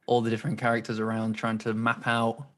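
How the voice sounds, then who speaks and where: Guy hosting an interview, mid pitched, chatty, lots of likes and you knows. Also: monotone, fast, a bit bright. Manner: friendly, loose phrasing with fillers. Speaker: interview host. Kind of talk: casual interview chat.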